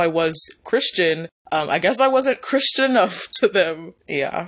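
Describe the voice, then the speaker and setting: At a moderate pace and with ordinary pitch variation, this is an ordinary speaking voice. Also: woman. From US, child of Jamaican immigrants. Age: 20s. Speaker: online content creator. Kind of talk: interview.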